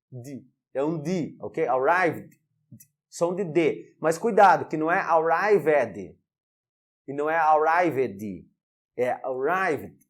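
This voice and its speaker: Man, English teacher, slow and animated, drills every word. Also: on the high side. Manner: repeats words slowly and drills pronunciation. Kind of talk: video lesson.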